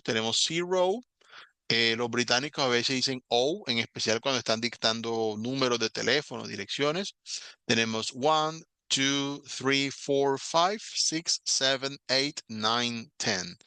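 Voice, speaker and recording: A man teaching an online English class, patiently explaining step by step and saying English words slowly as examples. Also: medium pitch, pushed and bright, smooth, no echo.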